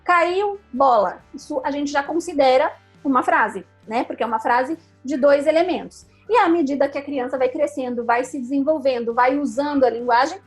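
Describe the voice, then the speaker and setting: High-voiced woman explaining patiently. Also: fairly quick, hardly any pauses, soft background music. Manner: patient, explains step by step with examples, frequent "né?". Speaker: speech therapist guest. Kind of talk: explanatory interview answers.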